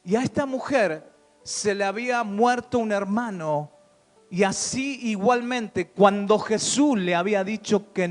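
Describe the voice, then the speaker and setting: A man preaching a sermon as pastor, asking the congregation rhetorical questions. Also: high voice.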